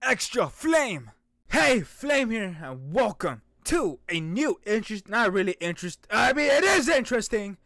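A man's voice: high voice, very animated, a little slow, bright, forceful tone, no room sound, studio quality. A young man hosting a reaction video with casual, playful, joking and exclamatory commentary. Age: young adult. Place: small indoor room.

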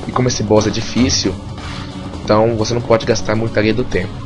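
A Brazilian gamer whose first language is Portuguese narrates a let's play with casual commentary, his voice strained as though his tonsils were swollen and throat inflamed. He talks fast in a lowish, flat voice over background music.

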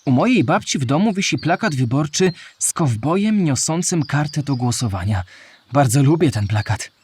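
A man's voice: a little high, lively intonation, moderate pace, darkish tone, breathy edge. A man playing a curious, wondering young boy in an educational audio play for children. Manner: inquisitive, wondering. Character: curious young boy listening to history tales.

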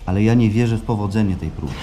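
An actor playing a disillusioned, reluctant client in a radio play, hesitant and doubtful. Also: male voice, lowish voice, very fast, mellow, natural voice. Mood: refusing. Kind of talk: radio play acting before a live audience. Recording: live stage recording with background noise.

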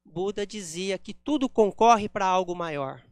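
A man's voice: high-pitched, lively intonation, unhurried, dry recording, clean studio sound. A man giving a spiritist lecture at a center, explaining ideas step by step with frequent "né?" tags. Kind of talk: public lecture with slides.

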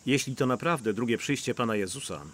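A man's voice: medium pitch, fast, fairly bright tone, lightly acted. A middle-aged man dubbing the role of an anxious pastor in a film. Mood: troubled. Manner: anxious, troubled.

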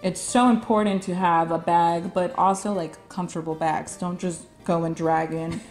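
A woman's voice: fairly low pitch, steady tone, normal speed, a little mellow, echoey room, faint music behind. A woman chatting casually on a video, showing her convention gear and laughing often. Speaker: YouTube convention reporter. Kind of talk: casual show-and-tell chat. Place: game room with arcade cabinets.

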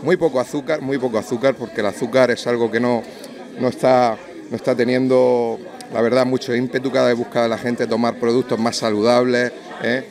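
Man pitching his product, "eh" fillers. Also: level tone, a little fast, a crowd in the background. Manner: fluent sales pitch with many "eh" fillers. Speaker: drinks company representative. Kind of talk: event interview. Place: busy restaurant event indoors. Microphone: handheld interviewer mic.

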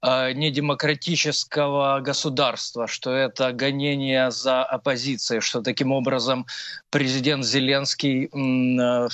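Man, Ukrainian accent, news analyst on video call, measured, lots of ums, dry sound. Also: medium pitch, fairly bright tone, no room sound. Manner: measured, many hesitation sounds. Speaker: political analyst guest. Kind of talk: live TV interview commentary. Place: small room at home.

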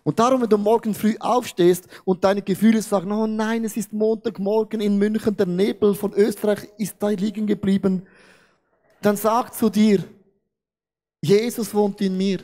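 On a big church stage, a Swiss pastor delivers a sermon into a handheld microphone, his voice pitched rather high for a man. He talks at a normal speed and acts out the story with animation, getting loud and then abruptly dropping to a hush.

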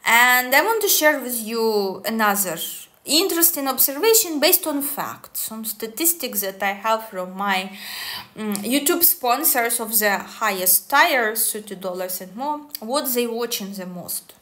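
A woman, talking casually to the camera in deliberate, halting English. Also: fairly high pitch, animated, pushed and bright. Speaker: online esoteric coach. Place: small indoor room, seated at a table.

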